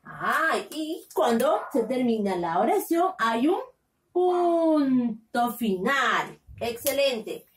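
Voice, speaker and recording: A woman teaching kindergarten, dictating sentences slowly, syllable by syllable, in a sing-song voice. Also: high-pitched, big pitch swings. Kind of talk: slow, sing-song class lesson for small children. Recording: echoey room, slightly distant from the mic.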